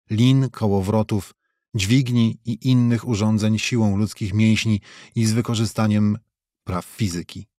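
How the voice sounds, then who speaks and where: A man narrates a history audiobook with a measured, steady delivery. His voice sits fairly low, and the close studio recording is dry, with no room sound. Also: no room sound. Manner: measured, even reading. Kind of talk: scripted nonfiction narration. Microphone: close studio mic.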